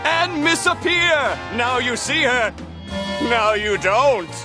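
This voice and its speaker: A man's voice: very high-pitched, slow pace, full character voice. An actor playing a theatrical male announcer in a cartoon, introducing superheroes in a grand manner. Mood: grandiose. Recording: clip with music behind.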